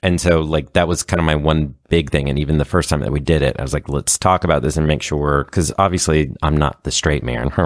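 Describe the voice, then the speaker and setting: A man with an extremely deep voice talks in a casual interview. He is chatty and earnest, and the sound is close and dry. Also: brisk, hardly any pauses, dry recording. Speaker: guest, sketch and radio play performer.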